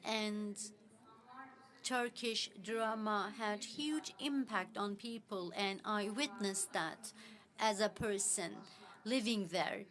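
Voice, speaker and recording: A woman works as a simultaneous interpreter at a panel, carrying the talk into English as it happens. Her phrasing comes in short, halting chunks, with restarts and small fillers as she keeps pace with the speakers. Her pitch sits in a middling range. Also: fairly bright tone.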